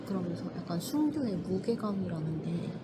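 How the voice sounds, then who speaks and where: A woman's voice: fairly low pitch, animated, normal speed, heavy background noise. A woman chatting thoughtfully on a trip, sharing reflections in long searching sentences. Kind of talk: casual travel conversation.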